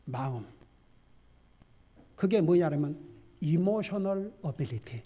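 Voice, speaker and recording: Lively older Korean-speaking pastor preaching. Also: male voice, on the high side, drawn-out words. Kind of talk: sermon. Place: church sanctuary.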